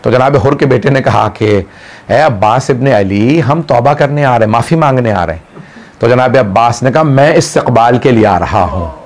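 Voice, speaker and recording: A man's voice: mid-range voice, lively intonation, moderate pace. A man recounting a Muharram martyrdom story as a dramatic mourning sermon, building into a wailing chant. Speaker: religious orator. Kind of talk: Muharram majlis narration.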